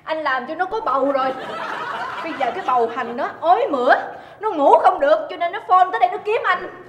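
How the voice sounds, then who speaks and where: A woman's voice: expressive, fairly quick, muffled recording. An actress with a Southern Vietnamese accent playing a middle-aged jealous wife who scolds and mocks her husband in a stage comedy. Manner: shrill, scolding, sarcastic. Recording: roomy stage hall, faint noise.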